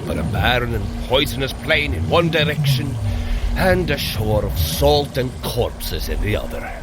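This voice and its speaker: An actor playing a hearty, earnest, slow-witted warrior god in an audio drama, blunt and plain-spoken, halting when he explains. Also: mid-range voice, sing-song, over loud music. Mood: worried. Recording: loud ambient effects noise behind.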